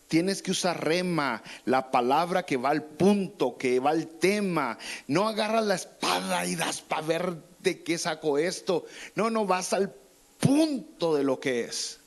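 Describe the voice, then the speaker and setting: A pastor preaching a sermon, casual and conversational, with colloquial asides. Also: male voice, on the high side. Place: church.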